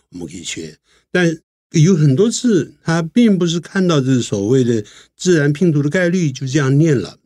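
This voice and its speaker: Older male teacher, casual lesson chat, bouncy lively pitch, dry close mic. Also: no echo. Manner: explains pronunciation with lively spelled-out examples. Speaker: English teacher.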